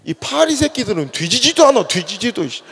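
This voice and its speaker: A man's voice: high voice, very animated, brisk, a bit bright, breathy edge, in a large hall, full character voice. A man voicing an old Chungcheong grandpa who mutters and curses instead of saying no, in a Chungcheong dialect. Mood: grumbling. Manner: roundabout muttering, cursing under breath. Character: grumbling old Chungcheong grandpa selling watermelons.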